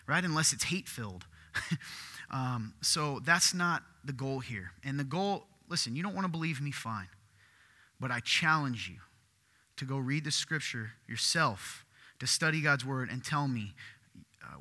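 Excitable pastor in a reverberant hall. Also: male voice. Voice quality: deeper voice. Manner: excitable, conversational, asks the crowd questions. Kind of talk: sermon. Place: church hall with congregation.

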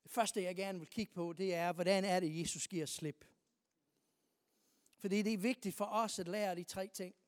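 A preacher giving a sermon, reading scripture aloud and asking the listeners repeated rhetorical questions, moving between quiet reading and loud, emphatic stresses. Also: medium pitch, fairly even intonation, dry recording, clean studio sound.

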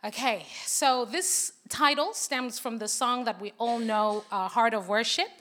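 A woman's voice: on the high side, measured pace, a bit bright. A young woman from Zambia, whose first language is not English, preaching a sermon at a conference with chatty, laughing banter with the audience. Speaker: conference speaker. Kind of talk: sermon with casual asides. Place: large conference hall.

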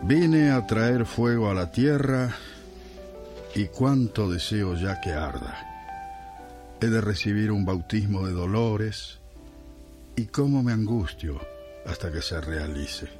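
A man's voice: on the low side, takes it slowly, pauses often, over music. An actor playing a disillusioned elderly male pensioner in a radio drama. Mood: solemn reading. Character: elderly male pensioner, reluctant, disillusioned, reads scripture solemnly.

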